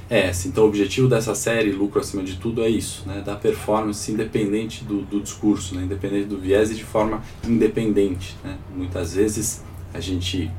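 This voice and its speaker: Low, congested Brazilian man with a sore throat. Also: a little mellow. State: congested, sore-throated voice from a cold, as with swollen tonsils. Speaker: host of a live financial morning call. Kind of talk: informal live market commentary with audience questions. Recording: distant mic with faint background noise.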